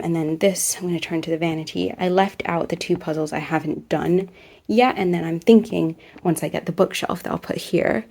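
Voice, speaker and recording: A woman's voice: deep voice, gravelly, a little mellow, far from the mic. A young woman vlogger chatting casually in her bedroom while she tidies, rambling and correcting herself as she goes. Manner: rambling, self-correcting, talks while tidying. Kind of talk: casual chatty vlog narration.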